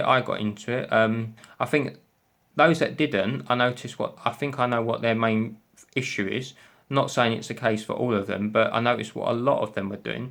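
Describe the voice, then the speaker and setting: Speaking at a fairly quick pace, a man keeps his medium-pitched voice fairly even in intonation. The background is quiet. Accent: British. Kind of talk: casual talk to camera. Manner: fast.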